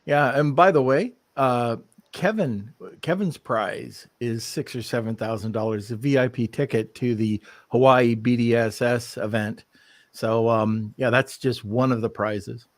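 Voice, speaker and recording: A man's voice: mid-range voice, unhurried, dry recording. A man hosting a live podcast over a video call, chatting casually, rambling and laughing at himself. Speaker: podcast host. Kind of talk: casual live-stream chat.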